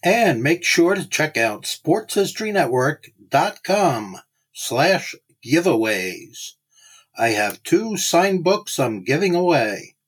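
A man introducing a podcast and plugging a giveaway in a slow, deliberate delivery. His voice is husky and fairly high, and it rises and falls in a lively way. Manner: promotional, announcing giveaways. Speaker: podcast network host. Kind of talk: show introduction.

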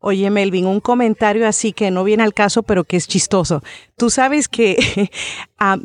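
A woman's voice: medium pitch, moderate pace, no echo, clean studio sound. A woman who is a guest on a podcast interview, speaking in a chatty, friendly way with many fillers.

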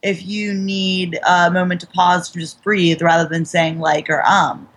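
A woman's voice: lowish voice, level tone, a little slow, fairly bright tone, breathy edge. Matter-of-fact woman giving advice. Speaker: podcast co-host. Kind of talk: casual conversational talk.

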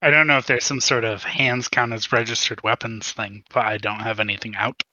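A wry player at a tabletop game with a bright, forceful voice. The sound is dull and lo-fi. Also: mid-range voice, little pitch movement, brisk, no echo. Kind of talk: casual tabletop play.

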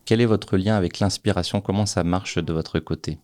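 A man's voice: low-pitched, fairly even intonation, brisk, darkish tone, no room sound, studio quality. A man hosting a radio interview, asking questions in a polite, conversational way.

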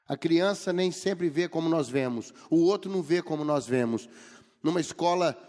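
A man's voice: a little high, moderate pace, a little mellow. A middle-aged man with a Brazilian Portuguese accent preaching a sermon, telling humorous stories and acting out the people he quotes. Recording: long reverb of a large hall.

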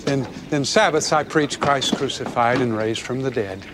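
An actor playing an earnest, awkward frontier preacher, halting and stammering as he speaks. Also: medium pitch, noisy background, close to an everyday voice. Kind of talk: TV drama acting.

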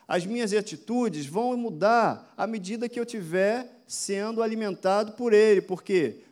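A man's voice: high voice, darkish tone. A man preaching a sermon with a slightly raised voice. He speaks to his listeners through a camera, throwing rhetorical questions at them and driving his points home with rising emphasis. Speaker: pastor. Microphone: addressing a camera for an online audience.

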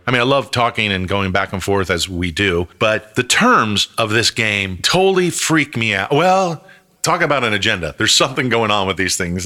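A man's voice: lowish voice, bright, forceful tone. A man co-hosting a casual podcast, joking around and laughing often. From half Italian, half Greek family. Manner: jokey, laughs often, drifts into goofy voices. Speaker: podcast co-host.

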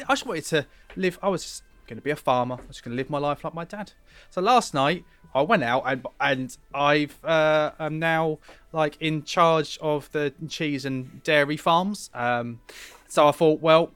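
A man's voice: fairly high pitch, fairly bright tone, dry recording. Cheery man, dry close sound. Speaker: player. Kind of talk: playing a tabletop game.

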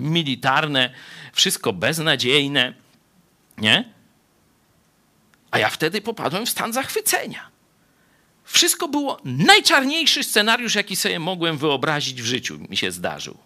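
With a fairly high voice and a measured pace, a male pastor gives a conversational sermon on the Bible. He keeps tacking a questioning "nie?" onto his sentences, alternating lively between soft asides and raised emphasis.

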